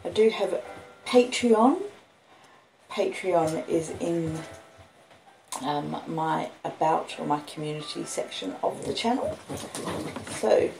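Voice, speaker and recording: Slow, low-voiced Australian woman livestreaming. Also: lively intonation, a little mellow. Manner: unhurried, rambling, with halting pauses. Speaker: host of a live-streamed book reading. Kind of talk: casual livestream chat. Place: front room of a house with street noise. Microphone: phone and an old laptop. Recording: noisy home phone recording. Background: street noise, house creaks, puppy, lo-fi beats.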